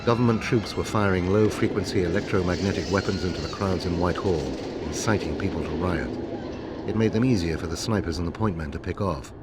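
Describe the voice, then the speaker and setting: An actor playing a sombre, resolute veteran commander in a game, grave and matter-of-fact, recorded amid noise. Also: male voice, low voice, brisk, close to an everyday voice. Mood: grim recollection. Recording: loud ambient engine-like background noise.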